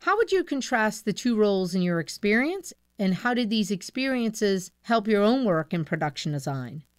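A woman hosting a radio show, reading a formal guest introduction and asking questions in a measured way. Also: medium pitch, sing-song, clean tone, no echo, studio quality. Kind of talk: scripted introduction and interview questions.

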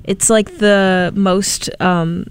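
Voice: mid-range voice, flat delivery, extremely slow, clean tone. Chatty, playful radio co-host. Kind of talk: casual radio chat.

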